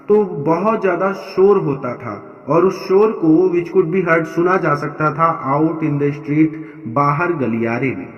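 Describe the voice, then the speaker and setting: A male English teacher with an Indian accent, explaining a textbook line by line, reading each English phrase slowly and then explaining it in Hindi. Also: mid-range voice. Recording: dull lo-fi sound in an echoey room with long reverb.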